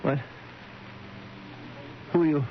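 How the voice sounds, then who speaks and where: An actor playing an anxious, devoted husband and father in a 1970s radio drama, with an urgent, halting, pleading manner. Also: natural voice. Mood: distraught, bewildered. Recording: muffled, hissy old radio broadcast.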